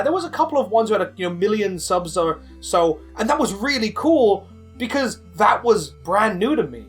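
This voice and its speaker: Higher-voiced man, casual personal narration over music. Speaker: indie game developer and video creator.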